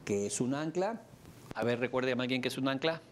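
A middle-aged man with a Mexican Spanish accent, lecturing a class in a joking, animated way with sudden high exclamations. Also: a little fast, slight background noise. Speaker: instructor.

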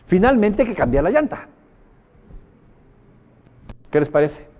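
A man's voice: high voice, measured pace. A man with a Mexican accent gives a motivational talk, telling anecdotes and asking the audience questions. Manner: animated storyteller, asks the audience questions. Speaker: motivational speaker.

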